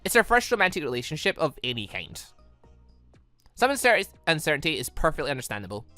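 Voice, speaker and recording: A woman's voice: low voice, sing-song, fast talker, pushed and bright, dry recording. A woman giving casual, rambling let's play commentary on a visual novel, reacting aloud and often giggly. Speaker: gaming channel host playing a visual novel. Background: game music.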